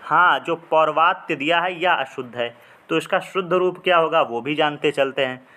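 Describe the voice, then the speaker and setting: A man explaining Hindi exam practice questions as a teacher, reading each question and then slowly drawing out the correct words. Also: a little high, pushed and bright.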